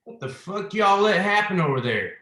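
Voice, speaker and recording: A man's voice: sits high, sing-song, normal speed, a bit bright, roomy sound. A man playing an angry, commanding lawman boss from the 1920s in a screenplay table read. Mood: furious. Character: angry, menacing, foul-mouthed male lawman boss in 1920s America.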